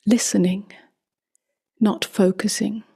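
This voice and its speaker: A woman speaking softly and gently in a near-whisper as she guides a meditation, unhurried, with long pauses. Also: mid-range voice, fairly even intonation. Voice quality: soft, breathy, near-whispered. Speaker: meditation teacher.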